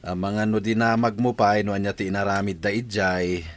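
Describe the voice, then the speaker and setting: A man's voice: fairly low pitch, flat delivery, normal speed, natural voice. A man voicing a strict, hot-tempered father who scolds his family in an audio drama. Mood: scolding. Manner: scolding, shouts when angry.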